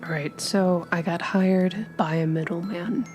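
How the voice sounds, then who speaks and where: A woman playing a down-on-his-luck male private investigator in a tabletop game, hushed, halting, defensive and evasive. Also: lowish voice, fairly even intonation, faint music behind, lightly acted. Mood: defensive, pleading.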